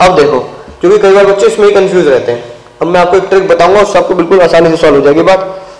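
A male commerce teacher giving an animated lecture, filling his talk with tag words and acting out little scenes for his students. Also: sits high, rapid-fire. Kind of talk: classroom lecture. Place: teaching room. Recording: echoey room.

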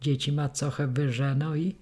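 A woman's voice: deep voice, fairly even intonation, normal speed, mellow, lightly acted. A woman voicing a shrewd, wary old peasant mother who speaks plainly, in an audiobook reading.

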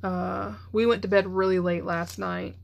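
A woman's voice: fairly low pitch, steady tone, normal speed, gravelly, slight background noise. Chatty woman, craft vlog. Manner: chatty, enthusiastic, gushing. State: tired, yawning. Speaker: craft channel host. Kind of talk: casual show-and-tell vlog.

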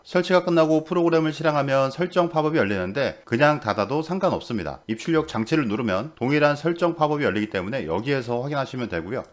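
Fast-talking man narrating a software tutorial. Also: mid-range voice. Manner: matter-of-fact, instructional. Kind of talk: casual scripted tutorial narration.

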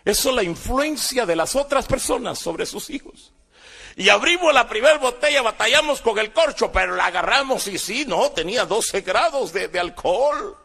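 Gravelly Guatemalan man telling his testimony. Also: high-pitched, animated, normal speed, bright, forceful tone. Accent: Guatemalan Spanish. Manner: dramatic storyteller who acts out quoted voices. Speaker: former guerrilla giving testimony. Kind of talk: personal testimony storytelling.

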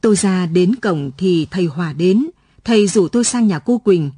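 A woman reads a late-night story in a calm, measured voice. Her tone is mellow and softly husky. The studio sound is close and dry. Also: lowish voice, no room sound. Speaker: radio story reader.

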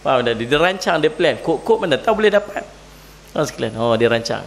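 Jokey preacher with a Northern Malaysian Malay accent. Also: male voice, medium pitch, very animated, brisk, gravelly. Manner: jokey, laughs often, asks the audience questions. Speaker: Islamic preacher. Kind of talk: humorous sermon. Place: religious lecture gathering.

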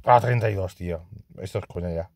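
A young man with a Spain Spanish accent giving casual, excitable gameplay commentary, swearing and laughing often. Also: low-pitched, a little fast, gravelly, no echo, studio quality. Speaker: gaming youtuber.

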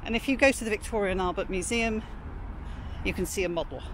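A woman's voice: mid-range voice, fast talker, fairly bright tone. A woman narrating a walking tour of a city park in a chatty, informal way, recorded on a camera mic while walking outdoors. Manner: chatty, informal, reads out prices and history. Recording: outdoor street noise with traffic.

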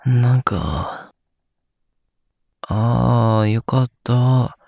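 Man acting as a drowsy, gravelly young man. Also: medium pitch, very slow, a little mellow, no room sound, clean studio sound. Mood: wistful, gentle. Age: young adult. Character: sleepy, grumpy but gentle young man living on the moon. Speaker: voice actor. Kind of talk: Japanese audio drama acting.

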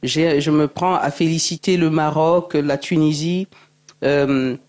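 A woman's voice: low-pitched, fairly even intonation, a little slow, a little mellow. A woman, speaking earnestly and reflectively as a panelist into a handheld mic. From Cameroon. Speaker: panelist, filmmaker. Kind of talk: panel discussion. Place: indoor stage at a public panel.

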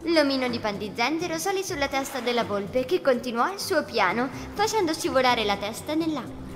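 A woman's voice: high-pitched, big pitch swings, brisk. A woman narrating a scripted children's fairy tale as storyteller. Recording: long reverb, music underneath. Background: music.

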